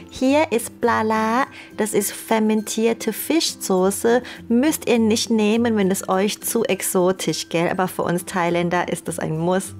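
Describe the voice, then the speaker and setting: A woman's voice: medium pitch, a little mellow. A young woman narrating a recipe in a chatty, playful and enthusiastic way. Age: young adult. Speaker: cooking vlog host. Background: music behind the voice.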